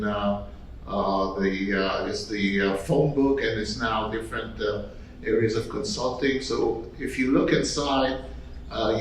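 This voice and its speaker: Hesitant low-voiced man in echoey hall. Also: slight background noise. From Israel. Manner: halting, many fillers. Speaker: panelist. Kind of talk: conference panel talk. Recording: echoey hall, distant mic.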